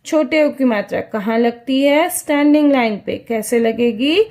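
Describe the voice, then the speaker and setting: Slow, high-voiced woman teaching young children. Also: a little mellow. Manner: slow, repeats questions and answers for small children. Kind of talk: children's lesson.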